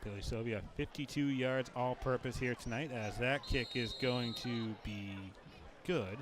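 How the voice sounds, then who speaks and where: A mid-pitched man calls the action in a brisk, matter-of-fact way and slips in wry jokes between plays. Clear outdoor stadium noise sits behind his voice. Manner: brisk, joking. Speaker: play-by-play announcer. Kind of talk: play-by-play football commentary.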